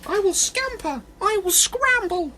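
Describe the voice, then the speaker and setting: A man voicing a tiny, eager mouse in a children's storybook, in a squeaky voice. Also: lively intonation, measured pace, bright, forceful tone, a little hiss or hum, exaggerated voice.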